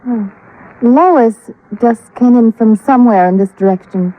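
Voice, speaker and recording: A woman's voice: a little high, measured pace, warm tone, close to an everyday voice. An actress playing a genteel, evasive young woman from an old family in 1950s radio drama style, hesitant and confiding. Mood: suspicious. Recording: dull lo-fi old radio recording.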